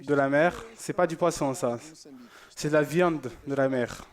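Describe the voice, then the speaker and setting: A man's voice: fairly high pitch, measured pace. A man presenting a church show, chatting casually and joking as he reads out viewer messages.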